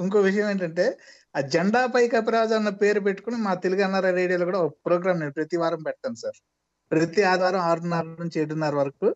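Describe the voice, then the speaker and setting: The man's voice sits high for a man and shows ordinary pitch variation. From Andhra Pradesh, Vizianagaram district. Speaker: caller, online radio show presenter. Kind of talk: casual chat.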